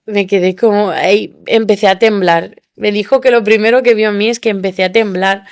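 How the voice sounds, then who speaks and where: A young woman from Spain, a podcast guest, telling her story in an animated way and acting out the people she quotes. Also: medium pitch, normal speed. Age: young adult. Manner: animated, acts out quoted voices. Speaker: interview guest.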